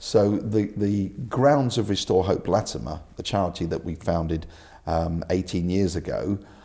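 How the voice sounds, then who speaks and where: In a very clean recording with a silent background, a man with a southern English accent speaks at a fairly slow pace with a very deep, low pitch and a dark, mellow tone. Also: ordinary pitch variation. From England, Home Counties (Little Chalfont, Buckinghamshire). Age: 60s. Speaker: business founder. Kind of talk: interview.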